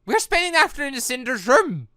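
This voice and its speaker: A woman hosting a gaming video, giving casual, excitable playthrough commentary with halting exclamations. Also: high-pitched, dry recording, clean studio sound.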